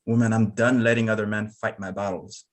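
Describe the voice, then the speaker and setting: A man's voice: fairly low pitch, flat delivery, fairly quick, natural voice. A man playing a stubborn, protective small-town man of authority at a screenplay table read. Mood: resolute.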